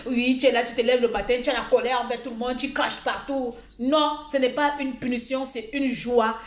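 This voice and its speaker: A woman vlogger giving blunt, humorous advice in a casual monologue, telling stories with animated energy. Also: a little high, fairly quick. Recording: echoey room.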